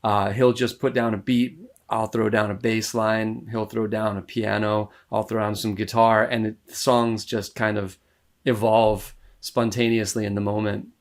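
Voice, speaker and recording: A man in his thirties with an American accent, chatting casually as a podcast guest, relaxed and rambling, with many fillers and frequent laughs. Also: fairly low pitch, moderate pace. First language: English. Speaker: musician guest. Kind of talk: casual interview talk.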